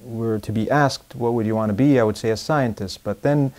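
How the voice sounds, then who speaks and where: Measured Egyptian-born man in an interview. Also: mid-range voice, darkish tone. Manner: measured, thoughtful, with frequent restarts. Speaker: urologist guest. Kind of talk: interview conversation. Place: quiet hotel room with curtains.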